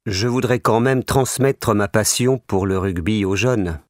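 A man voicing a young rugby fan who wants to coach, in a slow, plain scripted monologue. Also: on the low side, no room sound, studio quality, close to an everyday voice. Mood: earnest. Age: young adult. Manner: slow, plain, careful delivery. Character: young male rugby fan, earnest and keen. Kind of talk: scripted listening-exam monologue.

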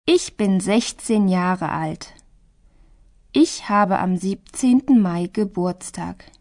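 Slow-speaking teenage German girl, played by a woman. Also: medium pitch, darkish tone. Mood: plain, measured. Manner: deliberate, carefully articulated. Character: Petra, sixteen-year-old German girl introducing herself. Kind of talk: slow scripted language listening exercise.

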